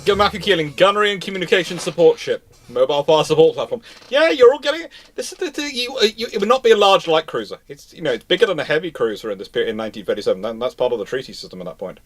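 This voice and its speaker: A man's voice: fairly high pitch, big pitch swings, rapid-fire, hardly any pauses. Man explaining in casual panel talk. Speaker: live stream host answering naval history questions.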